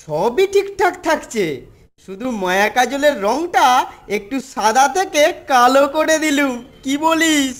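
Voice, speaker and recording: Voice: high voice, expressive, unhurried. A performer voicing a cheeky, plotting young schoolboy in a children's cartoon, playful and conspiratorial. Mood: sly glee. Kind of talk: Bengali children's cartoon dubbing.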